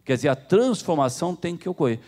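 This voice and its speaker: A man with a Brazilian Portuguese accent, preaching a sermon as pastor and acting out the people he quotes. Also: fast. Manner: animated, acts out quoted people with jumps in pitch.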